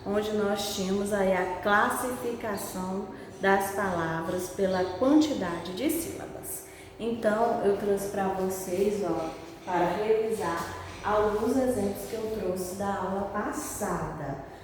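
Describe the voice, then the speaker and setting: Slow, patient woman teacher in an echoey room. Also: mid-range voice. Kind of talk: recorded grammar lesson for pupils. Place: room with a board she writes on and erases. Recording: very echoey, long reverb, far from the mic, faint hiss.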